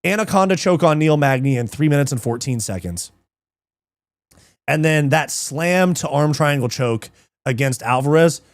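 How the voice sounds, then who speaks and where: Excitable profane man hosting a fight show. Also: a little high, moderate pace, no echo, studio quality. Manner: profane, excitable, reads live chat, laughs often. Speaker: livestream MMA show host. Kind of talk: casual livestream commentary.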